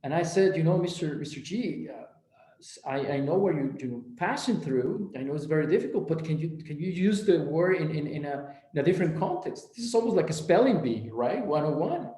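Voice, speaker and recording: A man from Mexico walks through a clinical case in a recorded talk, stumbling over repeated words as he retells what his patients said. His voice sits a little high for a man. The sound carries an echoey room around it. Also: lively intonation, brisk, mellow. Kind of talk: recorded academic presentation.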